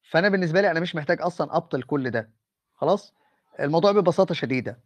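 An Egyptian man arguing for his faith in an online voice-room debate, talking softly and patiently, often stopping to ask for patience. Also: fairly high pitch, expressive, no room sound, highs cut off. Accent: Egyptian Arabic. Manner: measured, calls for patience, speaks softly. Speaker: Muslim debater.

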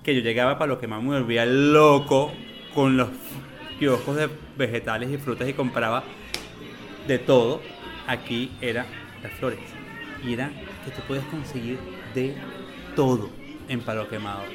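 Guy telling his story all excited, drags out words, quiet music under it. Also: mid-range voice. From Venezuela. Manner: enthusiastic, animated, drawn-out emphasis. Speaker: interview guest, florist. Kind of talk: conversational storytelling.

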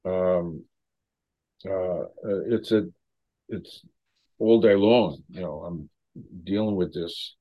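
A man in his seventies hosting an interview, speaking reflectively and haltingly with many fillers. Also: sits low, lo-fi sound. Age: 70s. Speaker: host. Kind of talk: interview conversation.

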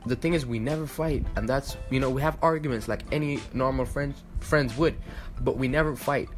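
A man's voice: medium pitch, brisk, faint music behind. A man in his twenties from the United Arab Emirates, talking casually to camera with lots of fillers and restarts. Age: 20s. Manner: rambling, filler-heavy, restarts often. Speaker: vlogger.

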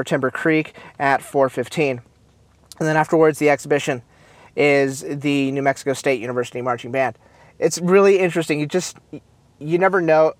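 A man hosting a casual talk show, chatty and upbeat, with many fillers, restarts and quick asides. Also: a little high, no echo. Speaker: host. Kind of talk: casual chat about marching bands.

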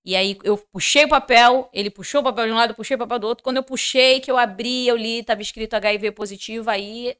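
A fairly high, steady, smooth and slightly bright voice belongs to a woman from Rio de Janeiro, Brazil, who talks quickly with hardly any pauses. As a podcast guest, she tells her faith testimony conversationally, acting out quoted exchanges and speaking directly to listeners.

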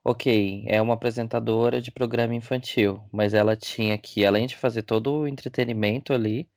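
Brief: co-host, man, gravelly, dry close sound, teasing camp asides. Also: medium pitch, steady tone, a little fast, darkish tone, no echo. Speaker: podcast co-host. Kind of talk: casual chat.

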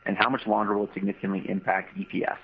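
A man's voice: on the low side, flat delivery, racing. A man moderating an earnings call, handing over to speakers and reading out submitted questions. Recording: muffled call audio with faint noise.

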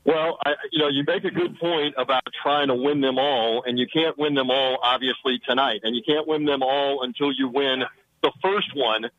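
A man, a sideline reporter guesting on a radio sports show, giving confident, rapid-fire football analysis from a sheltered spot outside a stadium. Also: mid-range voice, steady tone, no room sound, narrow, tinny audio.

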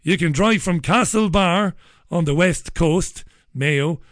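A male radio host, hoarse and losing his voice, chatting casually and joking as he reads out listener messages. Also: fairly high pitch, slow, a bit bright, no room sound, studio quality.

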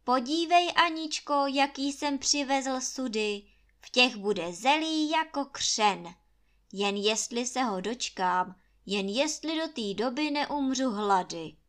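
A hungry young husband in a fairy tale, whining loudly about starving. A woman reading aloud voices him with a raised pitch. He exaggerates every complaint. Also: animated. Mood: whiny. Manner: loud, whining, self-pitying. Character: hungry, whiny young village husband, dramatic.

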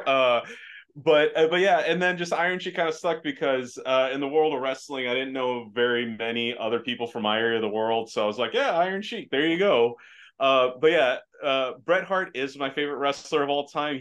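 A man's voice: medium pitch, a bit bright. A man with an American accent, a podcast guest talking casually with many fillers and restarts over a video call. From Afghanistan. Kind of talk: casual chat.

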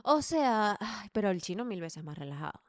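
A woman's voice: medium pitch, very animated, moderate pace, no room sound, clean studio sound. A young Venezuelan woman co-hosting a podcast, speaking in a blunt, opinionated, casual way and laughing often. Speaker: podcast co-host. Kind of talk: casual chat.

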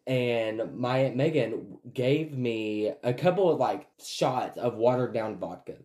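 Male podcast host, 20s, mid-range voice, casual, candid and animated storyteller. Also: medium pitch, takes it slowly. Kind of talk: casual personal chat.

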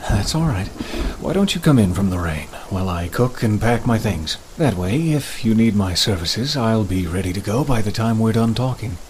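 A man acts out a gentle, forgetful monster hunter in an audio drama. His slightly low voice moves up and down a great deal as he halts politely between phrases. Faint ambience sits behind him. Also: expressive, slight background noise, lightly acted. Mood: hospitable, easygoing. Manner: halting, polite, mumbling hesitations.

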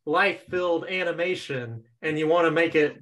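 Wry, joking man with a higher voice. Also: moderate pace, fairly bright tone. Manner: joking and wry, often laughing. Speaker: podcast guest. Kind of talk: casual chat recapping a cartoon episode.

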